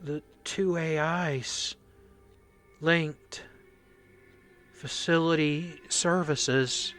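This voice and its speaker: A male actor as a drugged, shaken soldier in a radio drama. He speaks extremely slowly in broken fragments, with a smooth, clean tone, haunted by what he survived. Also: fairly high pitch, fairly bright tone. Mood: drugged, confused. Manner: halting, fragmented, dazed. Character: traumatised, drugged soldier, lone survivor recounting horror. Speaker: corporal under interrogation. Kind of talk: radio play acting.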